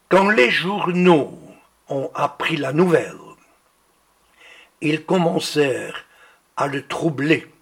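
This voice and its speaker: A man preaching a sermon, reading out healing testimonies in a slow, deliberate way. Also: fairly high pitch, creaky, fairly bright tone, breathy edge.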